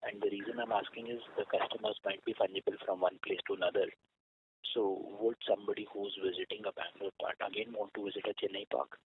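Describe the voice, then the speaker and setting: A man with a somewhat low voice comes through a narrow, tinny phone line, with a faint hiss of noise behind him. He speaks haltingly, piling up fillers and restarts as he works through long analyst questions on an earnings call. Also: steady tone. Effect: heard over a phone line. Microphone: handset phone.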